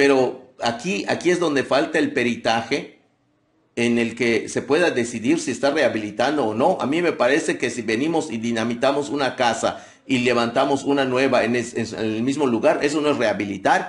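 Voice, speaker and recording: With a Yucatán accent, a man talks at a medium pitch. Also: ordinary pitch variation, moderate pace. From Yucatán Peninsula, Mexico (Maya community). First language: Yucatec Maya (speaking Spanish). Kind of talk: interview. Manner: halting, many repetitions.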